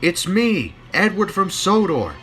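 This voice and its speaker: Man doing a kind old engine, soft and earnest, slightly raised pitch. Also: very animated, slow, faint music behind, heavily acted. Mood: gentle. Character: old male steam engine, gentle and kind.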